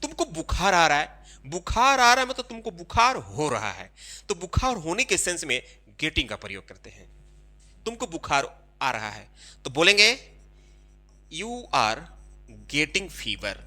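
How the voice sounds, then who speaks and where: A man giving an English grammar lesson in Hindi, explaining point by point and often stopping to ask if it is clear. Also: fairly high pitch, wildly swooping pitch, normal speed, sharp tone. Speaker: English teacher.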